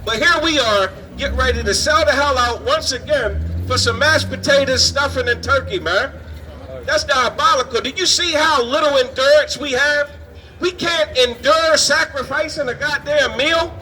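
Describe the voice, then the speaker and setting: A man's voice: very high-pitched, moderate pace, pushed and bright, low-quality recording. A man street preaching in an emphatic, indignant way, often punctuating his phrases with "man" and "you understand". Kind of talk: fiery street sermon. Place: outdoors on a city street. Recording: outdoor street noise, passing vehicles.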